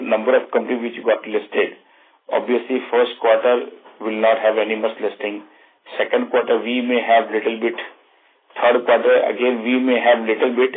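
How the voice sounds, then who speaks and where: A man with an Indian accent answering investor questions as a company executive on an earnings call, in a halting way, rephrasing mid-thought. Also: mid-range voice, slightly rough. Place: conference phone call. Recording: muffled narrow phone line.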